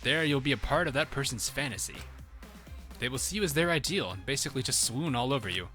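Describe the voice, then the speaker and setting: A man's voice: mid-range voice, expressive, fast, pushed and bright, faint music behind. A man doing a sly, sing-song bear mascot. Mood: gleeful teasing. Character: mischievous male bear mascot, gleeful, teasing. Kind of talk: reading game dialogue in voice.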